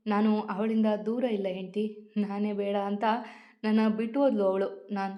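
A woman voicing a grown man who is usually stern but now grieves and pleads in soft, broken questions, in a storybook reading. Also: medium pitch, level tone, moderate pace, lightly acted. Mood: grieving. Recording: dull lo-fi recording.

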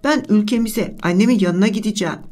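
A woman's voice: medium pitch, fast, a little mellow, faint music behind, natural voice. A woman voicing a stubborn, fierce young boy strongman who talks defiantly. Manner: defiant, insistent.

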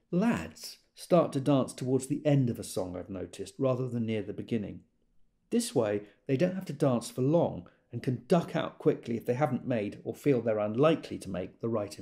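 Wry observant gay party guest, literary monologue, widely varied intonation, creaky edge. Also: male voice, mid-range voice, warm tone.

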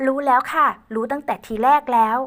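A woman's voice: high voice, fairly even intonation, fast, voice pushed up, close to an everyday voice. A woman voicing a playful, bold young tomboyish woman who teases and speaks her mind directly. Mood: affectionate. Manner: teasing and direct.

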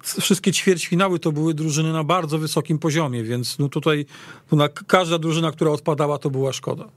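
A man in a casual sports discussion as a panelist, halting and repeating words mid-sentence, recorded in a radio studio. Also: on the high side, steady tone, no echo. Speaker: football podcast panelist.

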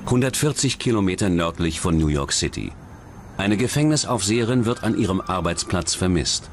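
A man's voice: sits low, lively intonation, moderate pace, slight background noise. A man reading scripted narration for a true-crime documentary.

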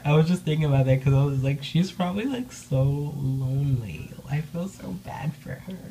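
A woman chatting casually in an indoor room as a doll hobby vlogger, rambling with many filler words and bubbly excitement. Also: low-pitched, normal speed, a little hiss or hum, rough recording. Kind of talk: casual update vlog. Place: indoor room, speaking off camera behind dolls.

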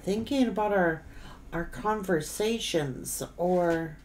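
A middle-aged woman reads tarot aloud, unhurried and slightly low in pitch. She speaks in fragments, pausing and repeating herself as she goes. Ambient noise is clearly audible behind her. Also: darkish tone. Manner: halting, broken phrases with repeats. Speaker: tarot reader. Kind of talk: unscripted tarot reading. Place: indoor room, seated at a table.

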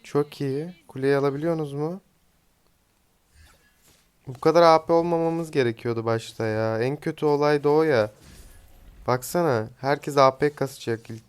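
A young male gaming streamer, with a slightly high, clean voice, gives casual live commentary while playing a mobile game at a moderate pace with frequent pauses. He's chatty and teasing and swears lightly at his teammates.

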